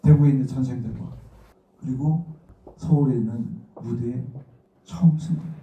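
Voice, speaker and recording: Lively man lecturing in an echoey hall. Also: mid-range voice, moderate pace, recorded from a distance. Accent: Daegu. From rural area near Daegu, South Korea. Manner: animated storytelling, acting out quotes. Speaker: guest speaker, actor. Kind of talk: lecture to students. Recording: echoey hall recorded from afar, muffled.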